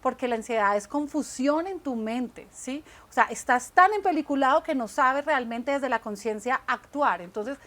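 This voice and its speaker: On a Christian talk show, this female co-host has a high-pitched, fairly bright voice with lively intonation, moving at a moderate pace with hardly any pauses. Her faith-based chat is casual yet earnest, and she frequently asks "right?" to make sure listeners are with her.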